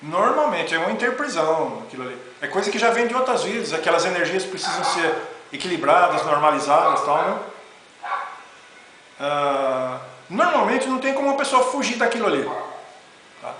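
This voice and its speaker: Middle-aged man, a rambling spiritual teacher with a high voice and faint hiss behind him. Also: expressive, brisk, pushed and bright. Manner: rambling, repeats "né?" often. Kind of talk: informal spoken lecture. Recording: very echoey room with faint noise.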